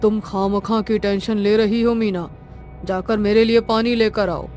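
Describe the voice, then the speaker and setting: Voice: mid-range voice, little pitch movement, unhurried, a little mellow, natural voice. A woman voicing a tired, nervous village man in a cartoon, speaking in a plain, dismissive way. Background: background music.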